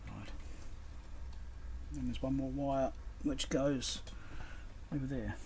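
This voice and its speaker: Clear background noise sits around a man with a mid-pitched voice. He talks casually and without a script as he works at an electronics bench, half to himself, in short, broken phrases. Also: fairly even intonation, slow, darkish tone. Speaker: electronics repair hobbyist and video host. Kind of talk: casual unscripted workbench commentary.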